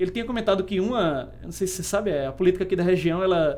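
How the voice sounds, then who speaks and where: Noticeable background noise under very fast talking, pitch varying in a typical way. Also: man. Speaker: writer and illustrator, psychologist. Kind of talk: interview conversation. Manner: animated.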